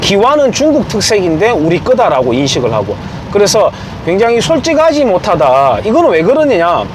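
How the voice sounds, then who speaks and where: A man's voice: high-pitched, wildly swooping pitch, fairly quick, background noise. A man giving an informal, emphatic opinion monologue. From Gyeongju, South Korea. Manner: emphatic, acts out quoted remarks. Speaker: commentator.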